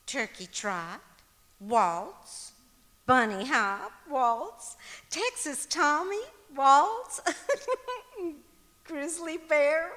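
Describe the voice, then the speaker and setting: A woman's voice: sits high, a bit bright, exaggerated voice. A woman playing an exasperated, wry but affectionate wife, scolding in a folksy way in 1940s radio comedy style. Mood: fond, teasing. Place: auditorium stage, live performance. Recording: reverberant auditorium stage.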